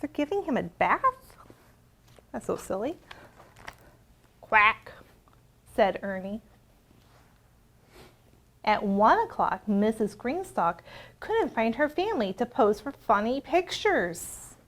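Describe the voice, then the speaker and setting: A woman librarian leading an interactive storytime for young children, expressive and asking simple questions. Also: on the high side, slow, pauses often.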